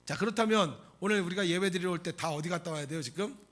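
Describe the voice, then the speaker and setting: A male pastor preaching a sermon in a church in animated storytelling style, often asking the congregation questions, with a raspy voice. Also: sits high, fast. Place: church sanctuary.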